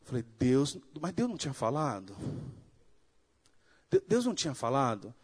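With a husky, medium-pitched voice at a moderate pace, this man from Brazil recounts his testimony in a sermon. He animatedly acts out the story's dialogue and works up to fervent preaching.

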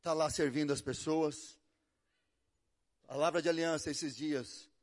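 Brazilian male pastor, middle-aged, higher voice, storytelling sermon that drops quiet then surges loud. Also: steady tone, a little slow. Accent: Brazilian Portuguese. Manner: storytelling, swings between hushed and loud. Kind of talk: sermon with acted quotes.

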